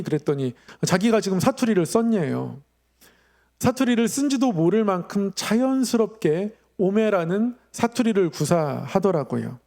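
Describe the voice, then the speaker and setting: A middle-aged man preaching a sermon as a pastor, explaining in a measured, polite way. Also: high-pitched, a little mellow. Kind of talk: Friday evening sermon.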